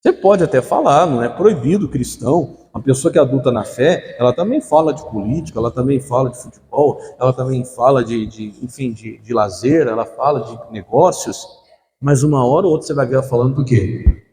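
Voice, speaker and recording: Speaking fairly quickly in a warm, medium-pitched voice, a young Brazilian pastor preaches in a church hall. He invites the congregation to complete his phrases, calling out questions for them to answer. The hall sounds echoey, with a little hiss or hum.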